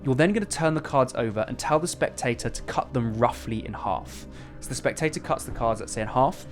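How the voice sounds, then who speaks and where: A man presenting a casual step-by-step card magic tutorial in instructive, conversational magician patter. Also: mid-range voice.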